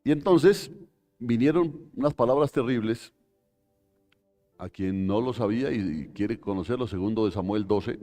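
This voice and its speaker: A man's voice: lowish voice, lively intonation, moderate pace, mellow, faint music behind. A man with a Colombian accent preaching a live sermon in church, retelling a scripture story dramatically, full of rhetorical questions. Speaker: pastor.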